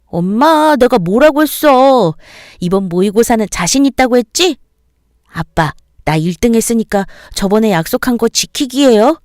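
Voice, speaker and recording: A woman's voice: fairly high pitch, lively intonation, normal speed, darkish tone, no echo, clean studio sound, voice pushed up, natural voice. A woman voicing a cheerful, proud young schoolboy who chatters boastfully, in a spoken storybook.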